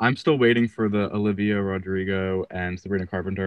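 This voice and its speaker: This man's voice sits fairly low in pitch. He talks at a fairly quick pace. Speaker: podcast host. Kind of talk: casual chat.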